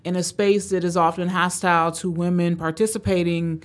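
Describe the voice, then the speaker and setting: A woman professor raised in the United States, answering interview questions in a relaxed way with many pauses and fillers. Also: fairly low pitch. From Tanzania, raised in Cleveland, Ohio. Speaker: guest, professor.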